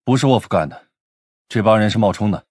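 A man's voice: on the low side, quick pace, darkish tone, husky, no room sound, clean studio sound. A man playing a cool, blunt police detective in his twenties in an audiobook drama, terse and assured. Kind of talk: Mandarin audiobook drama acting.

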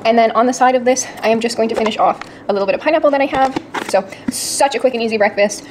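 A woman's voice: a little high, fast talker, noisy background. A woman fitness vlogger chatting casually at home, explaining what she makes as she goes. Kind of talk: casual vlog chat. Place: home kitchen.

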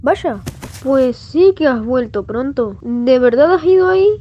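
High-pitched young fox boy sidekick voiced by a woman. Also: lively intonation, measured pace, muffled recording, slight background noise. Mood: puzzled. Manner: earnest, explanatory. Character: young male fox sidekick, earnest, curious. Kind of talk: Latin American fandub of game cutscenes.

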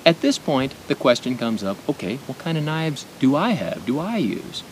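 A middle-aged American man with a speech impediment, giving an informal gear demonstration with deliberate pauses. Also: sing-song, rough recording. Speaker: knife and gear reviewer. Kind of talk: informal product demonstration to camera. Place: outdoors at a picnic table in woods. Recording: outdoor noise with low rumble.

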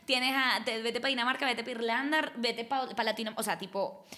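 Emphatic woman, slightly high voice. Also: steady tone, moderate pace, pushed and bright. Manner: emphatic, gestures a lot, restarts often. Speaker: podcast guest. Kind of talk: casual chat. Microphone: desk microphone.

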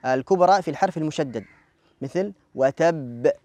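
Brisk man quizzing a reciter. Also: medium pitch, darkish tone, no room sound. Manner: patient, step-by-step, repeats words for emphasis. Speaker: Quran recitation judge and examiner. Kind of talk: explaining recitation rules and quizzing a contestant.

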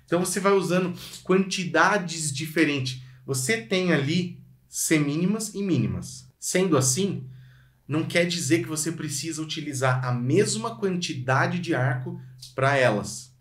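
A man's voice: fairly high pitch, measured pace, echoey room. A man with a Brazilian Portuguese accent, giving an online violin lesson, speaking straight to the viewer with energy. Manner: energetic, addresses viewer directly, sings phrases to demonstrate. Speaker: violin teacher.

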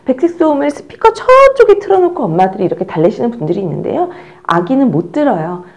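Animated woman teaching baby care. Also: high-pitched, fast talker. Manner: animated, demonstrating with an instructor's cues; drops to a soft whisper while the baby settles. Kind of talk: instructional demonstration.

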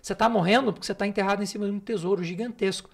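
A man's voice: high voice, steady tone, rapid-fire, creaky. A man voicing a dying talking tree in a spoken fable, matter-of-fact. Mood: explaining. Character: dying tree over buried treasure.

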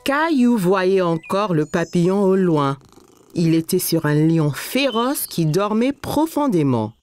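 Expressive woman narrating a children's story. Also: fairly low pitch, takes it slowly, soft background music.

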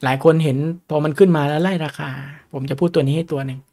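In an easygoing, conversational style, a man teaches investing through a casual stock chart lecture. His voice runs a bit high for a man, and he repeatedly pauses to ask his listeners quick questions.

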